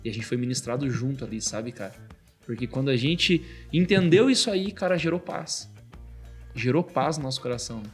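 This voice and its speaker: A man in his thirties, a podcast guest, telling a personal faith story in casual chat, animated and full of filler words. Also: mid-range voice, a little fast, slightly rough, faint music behind. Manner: animated storytelling, constantly says "cara".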